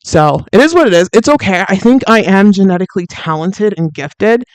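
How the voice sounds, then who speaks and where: Woman, deep soothing voice, livestream fitness host, chatty and candid, smooth tone. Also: animated, a little fast, dry recording. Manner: chatty and candid, frequent fillers and laughs. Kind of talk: casual livestream chat reading viewer comments.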